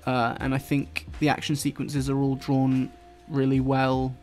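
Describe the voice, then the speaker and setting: A man with an English accent softened by London, chatting casually and rambling while he draws, swearing now and then and dropping his t's. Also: medium pitch, monotone, unhurried, faint music behind. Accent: English, London-influenced. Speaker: YouTuber drawing on stream. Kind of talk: casual chat while drawing.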